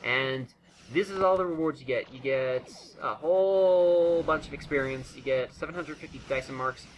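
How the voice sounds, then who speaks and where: A man's voice: medium pitch, lo-fi sound, slight background noise. A man giving casual, unscripted commentary on a video game, rambling and often cutting himself off mid-thought. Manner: rambling, halting, self-interrupting.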